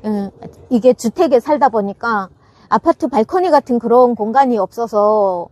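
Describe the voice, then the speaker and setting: A woman's voice: fairly high pitch, normal speed, darkish tone, dry recording. A woman chatting casually to her viewers about gardening, laughing often and restarting her sentences as she talks. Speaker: gardening channel host. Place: farm greenhouse.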